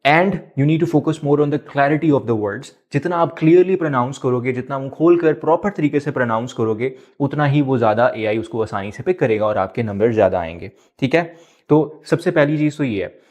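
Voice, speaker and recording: A man's voice: medium pitch, normal speed, a little mellow. A man, an exam-prep instructor, giving a video lesson, switching between Hindi-Urdu and English and repeating his key points.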